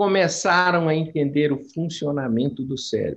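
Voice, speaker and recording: A man speaks with ordinary pitch variation. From Brazil, Goiás. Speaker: neurosurgeon. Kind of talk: podcast interview. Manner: halting with fillers.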